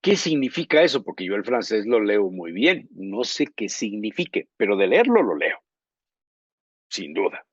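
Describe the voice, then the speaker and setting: A Mexican journalist co-hosting a talk show, telling long anecdotes and often pausing to search for words. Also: male voice, fairly low pitch, sing-song, husky, no room sound, muffled recording. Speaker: journalist co-host. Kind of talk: casual talk show chat.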